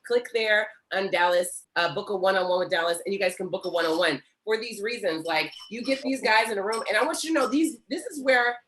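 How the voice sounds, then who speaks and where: A woman in her thirties from Oregon hosting an online workshop over a video call from home, talking in an animated, encouraging way. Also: medium pitch, brisk, hardly any pauses. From Oregon, USA. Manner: animated, encouraging, gestures a lot. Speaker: host and prophetess. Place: home room with patterned curtains. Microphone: laptop mic on video call.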